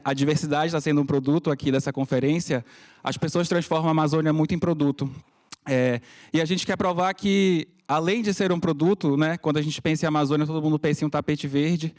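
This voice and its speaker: A thirty-year-old man with a Paraense Brazilian accent speaks informally in public. His voice is on the high side for a man, and he is frank and conversational, often adding tag questions. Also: a little mellow. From Pará, Brazil. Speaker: content creator and community leader speaking at a conference. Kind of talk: informal unscripted public talk.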